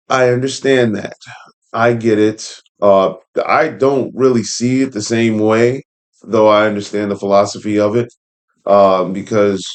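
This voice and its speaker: A man hosting a casual read-along commentary, speaking in an informal, opinionated way with conversational asides. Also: fairly low pitch. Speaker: host and commentator. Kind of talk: casual commentary while reading an article aloud.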